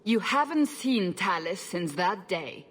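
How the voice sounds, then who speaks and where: Sceptical interrogator, echoing hall. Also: female voice, mid-range voice, animated, takes it slowly, fairly bright tone. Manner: probing, sceptical. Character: stern, sceptical female interrogator. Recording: long reverberant hall sound.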